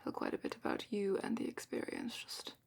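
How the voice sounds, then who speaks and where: A woman playing a calm, probing dragon-academy examiner in a whispered ASMR roleplay, speaking softly and deliberately with thoughtful pauses. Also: lightly acted. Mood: probing, musing. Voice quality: soft, breathy whisper.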